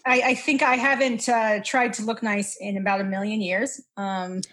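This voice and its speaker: A woman's voice: medium pitch, little pitch movement, normal speed, fairly bright tone. Rambling giggly woman in her twenties. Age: 20s. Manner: rambling, self-interrupting, laughing. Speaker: podcast guest. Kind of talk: casual chat.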